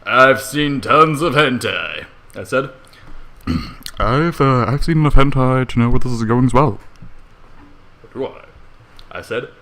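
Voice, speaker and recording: A man's voice: medium pitch, unhurried, vocal fry, long pauses, sharp tone. A man narrating a comedic story theatrically, with irreverent, sweary asides. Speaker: amateur fan fiction reader.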